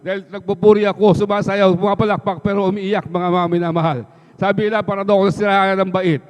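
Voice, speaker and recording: Isang lalaking may puntong Pilipino na nagpapatotoo sa isang pagsamba, paulit-ulit na sinasabing "mga minamahal" sa bawat parirala, sa mahabang alingawngaw ng bulwagan ng simbahan na mapurol ang tunog. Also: male voice, sits high, flat delivery, fast, clean tone. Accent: Filipino. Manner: repeats "mga minamahal" after nearly every phrase. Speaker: church member giving testimony. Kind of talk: testimony in a church service. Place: church hall. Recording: reverberant, dull live stream audio.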